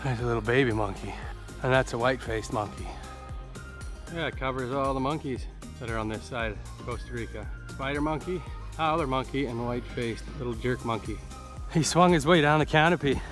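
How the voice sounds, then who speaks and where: A man narrating his own jungle hike for a travel vlog, chatty and full of dry jokes as he talks to himself. His voice sits at an ordinary middle pitch. It is picked up outdoors on a handheld camera with faint music under it. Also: a little fast. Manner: joking, chatty, talks to himself while hiking. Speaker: travel vlogger. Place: outdoors in rainforest on a hiking trail.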